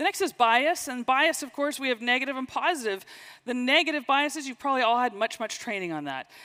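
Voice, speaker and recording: A woman's raised, projected voice, high-pitched with a bright, sharp tone and lively intonation, at a very fast pace on a very clean recording with a silent background. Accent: Canadian. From Canada. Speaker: keynote speaker, former undercover police officer. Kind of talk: conference keynote talk. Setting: stage with audience.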